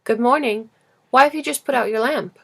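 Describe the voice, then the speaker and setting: A woman performs a small, serious boy from a storybook. The voice sits higher and is gently persistent, with earnest curiosity and plain, thoughtful phrasing. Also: brisk, creaky. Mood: curious, puzzled. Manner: earnest questioning, simple and thoughtful. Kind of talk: storybook character reading.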